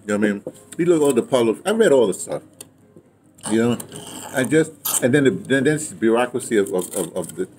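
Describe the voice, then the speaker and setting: A man of about seventy, reminiscing casually in a rambling, halting way, circling back to his point. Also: mid-range voice, a little mellow. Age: around 70. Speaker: interviewee, theater and radio drama veteran. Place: outdoors in a yard beside a house. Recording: clear outdoor ambient noise.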